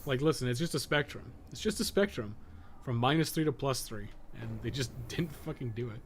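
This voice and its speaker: A man with a mid-pitched voice gives casual running commentary while playing a game. He talks informally and swears freely, often muttering to himself. A faint background noise sits behind his voice. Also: brisk. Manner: profane, informal, muttering to self. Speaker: gaming podcast co-host.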